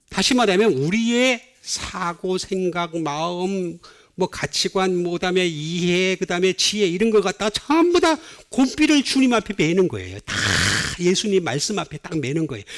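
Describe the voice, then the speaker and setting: High-pitched and animated in tone, a man speaks at a moderate pace. His intonation is lively. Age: 70s. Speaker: pastor. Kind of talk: sermon.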